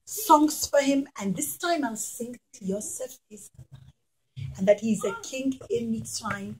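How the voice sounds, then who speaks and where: A woman voicing a gentle, caring young granddaughter who loves music, in a puppet story. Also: a little high, lively intonation, slightly rough, full character voice, rough recording. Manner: gentle, often slow singsong.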